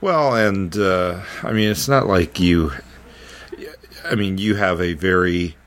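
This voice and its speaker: A man's voice: low-pitched, slow pace. A male podcast host talks casually. He is hesitant, stammering over small words and repeating them while he hunts for what to say.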